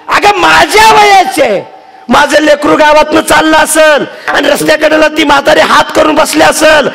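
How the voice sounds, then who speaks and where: A male preacher voicing a scolding old mother-in-law who snaps and shouts at her daughter-in-law. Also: very high voice, vocal fry, long reverb tail, voice pushed up, exaggerated voice.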